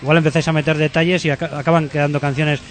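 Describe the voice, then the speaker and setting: Fast-talking interviewer, chatty. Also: male voice, on the high side, flat delivery. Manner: chatty, self-interrupting, stammers on restarts. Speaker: radio interviewer. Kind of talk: casual interview.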